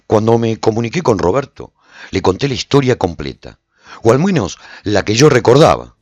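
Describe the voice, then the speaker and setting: An actor playing a weary swordsman who narrates his post-apocalyptic adventure in a radio drama, husky and theatrical. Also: low voice, no room sound, exaggerated voice. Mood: calm, reflective. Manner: intense, theatrical. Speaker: narrator and protagonist.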